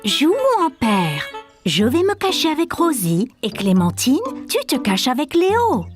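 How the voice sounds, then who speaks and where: Children's cartoon mother: kind, encouraging, unhurried, melodic delivery, faint music. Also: high-pitched, huge pitch swings, full character voice. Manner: gentle, reassuring, encouraging.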